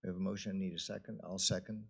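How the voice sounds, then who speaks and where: A man's voice: deep voice, steady tone, very fast, vocal fry, husky. A man serving as mayor, running a meeting with short procedural prompts.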